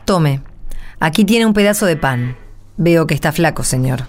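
A woman's voice: sits low, lively intonation, moderate pace, a little mellow. A woman playing a plain-spoken, kindhearted and insistent country woman in a radio play, with an Argentine accent and a direct manner. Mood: guarded but kind. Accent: Argentine Spanish. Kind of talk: radio play dialogue acting.

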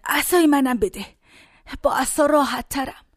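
A woman's voice: sits high, no room sound, studio quality. An actress playing a very old woman in a care home, who rambles folksily between memories and complaints. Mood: fretful. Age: older.

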